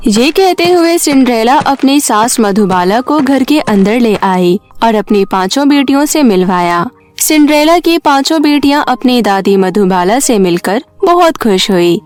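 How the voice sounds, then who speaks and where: A woman's voice: fairly high pitch, expressive, unhurried, darkish tone. A woman narrator reading a scripted children's story. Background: background music.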